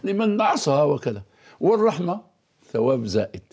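A man's voice: on the high side, sing-song, fairly quick, a little mellow, breathy edge. A man explaining Quranic grammar in a teacherly manner, quoting verses and quizzing his co-host. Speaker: scholar of Quranic language. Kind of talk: explanatory religious lesson in dialogue.

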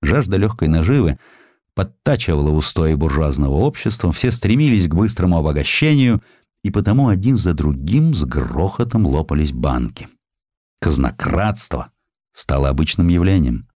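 A man reading historical sketches as an audiobook narrator, with theatrical, deliberate, emphatic storytelling. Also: low voice, very animated, a little mellow, dry recording, studio quality. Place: dry studio.

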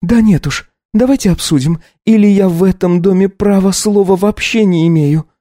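A man voicing a defiant young countess and mother, speaking in a shrill, pleading way. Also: normal speed, warm tone, no room sound, clean studio sound, lightly acted. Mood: indignant.

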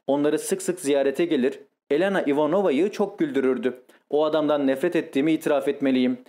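A man narrating a novel in the first person, in a steady, measured storytelling manner. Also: a little high. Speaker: audiobook narrator.

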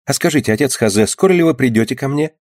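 A man voicing a sharp-tongued, pious young townswoman who scolds and accuses in a shrill way. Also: expressive, fast, dry recording, studio quality, natural voice. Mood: coaxing.

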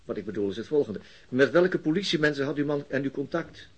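A male police detective, questions persistently in a naturalistic radio play. He speaks quickly and with very lively intonation, courteous yet insistent, humming as he thinks. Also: medium pitch, breathy edge. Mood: probing, surprised. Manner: probing, insistent questioning with hesitant hums. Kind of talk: naturalistic radio drama acting.

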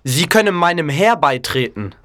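A bossy, mocking young boy, played by a male storyteller, voiced a little higher than the reader's own. He sounds sure of himself and teasing. The sound is dry and close. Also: sing-song, moderate pace, fairly bright tone, no echo. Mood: cheeky.

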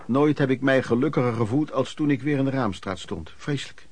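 A man's voice: medium pitch, a little fast, husky, dry recording, close to an everyday voice. Actor as dry-sounding colloquial man telling his life. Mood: indignant recollection. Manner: colloquial, storytelling, clipped phrases. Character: man recalling his hard, hopeful youth as street trader. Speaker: narrator. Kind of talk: first-person radio play narration.

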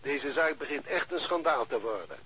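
An actor playing a bullying, impatient police chief in a Dutch radio drama, sharp and insistent. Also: male voice, a little high, lively intonation, moderate pace, a little hiss or hum, poor audio. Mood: indignant. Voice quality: raspy, sharp. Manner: hectoring, insistent.

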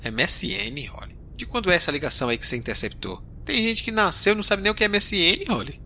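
A man's voice: high voice, lively intonation, quick pace, gravelly, pushed and bright, slight background noise, heavily acted. A man voicing a weary male space explorer captain in an audio drama, sarcastic and easily exasperated. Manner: grumbling, sarcastic, sighing.

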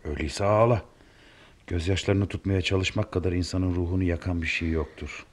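A man acting a calm, kindly, solitary mentor with measured, philosophical delivery in old-style radio theatre. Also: low voice. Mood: quiet, kindly.

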